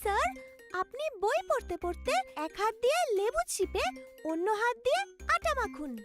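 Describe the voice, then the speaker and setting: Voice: extremely high pitch, big pitch swings, normal speed, fairly bright tone, faint music behind, exaggerated voice. A performer voicing a helpful young female cat in a children's cartoon dub, politely offering suggestions. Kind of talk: dubbed children's cartoon acting.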